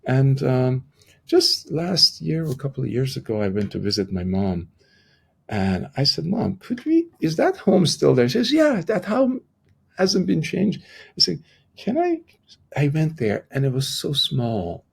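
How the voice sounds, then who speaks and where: A middle-aged man with an Iranian accent and a husky, gravelly voice, telling personal stories reflectively as an interview guest. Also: fairly high pitch, huge pitch swings, a little slow. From Iran. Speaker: podcast guest, transformational coach.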